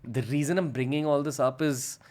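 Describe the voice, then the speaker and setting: A man's voice: mid-range voice, steady tone, brisk, darkish tone. A man, hosting a podcast and asking curious, conversational questions. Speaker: podcast host. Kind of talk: casual interview questions.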